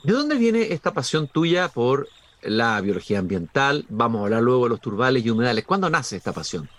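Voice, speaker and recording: A man hosting an interview, asking slow, reflective, musing questions. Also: medium pitch, sing-song, dry recording. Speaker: interview host.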